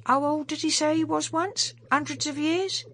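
A woman voicing a blunt, protective young sailor man, in brisk, slangy speech. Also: sits high, fairly even intonation, a bit bright, voice pushed up. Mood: concerned.

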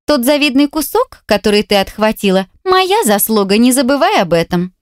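A venomous young woman purrs her taunts in a coquettish, mocking voice pitched high above the reader's own, as a female audiobook narrator puts her on. The recording is dry and close, with no room sound. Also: big pitch swings, normal speed, clean tone, dry recording. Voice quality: mocking, sugary and spiteful. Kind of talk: audiobook character voice.

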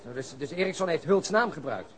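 A wounded, wary police detective acted by a man grumbles wryly in a radio drama. The male voice is slightly high and brisk, with faint street noise around it. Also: animated, natural voice. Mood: weary, wry. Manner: wry, grumbling, cautious.

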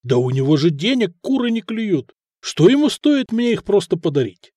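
A narrator playing a gruff Arab merchant. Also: male voice, sits high, very animated, moderate pace, dark tone, no room sound, pitched above the performer's own voice, full character voice. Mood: grumbling. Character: blunt, hungry Arab merchant man.

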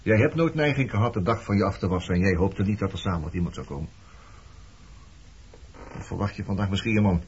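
A man acting in a radio play as an evasive, detached former lover, talking in a dry, offhand, probing and faintly mocking way with a husky, rough-edged voice. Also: low voice, quick pace, pauses often, darkish tone, a little hiss or hum. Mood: musing, probing. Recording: dull lo-fi old radio recording.

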